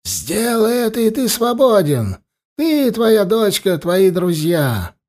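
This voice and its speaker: A man voicing a calm, scheming old male high priest who speaks with soft, measured insistence. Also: full character voice. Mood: insistent.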